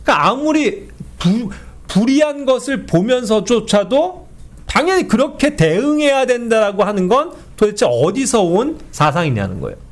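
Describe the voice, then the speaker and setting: A man teaching a Bible study in an animated way, who keeps asking his listeners to agree and acts out quoted speech. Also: extremely high pitch, moderate pace. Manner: animated, often asks the group for agreement.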